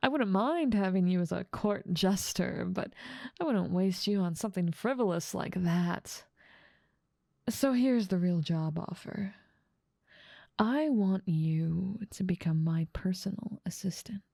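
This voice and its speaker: A woman's voice: fairly low pitch, expressive, unhurried, creaky, mellow, dry recording, studio quality. A woman voicing a dominant demon ruler of hell in an ASMR roleplay, teasing, condescending and self-assured. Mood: amused, scheming.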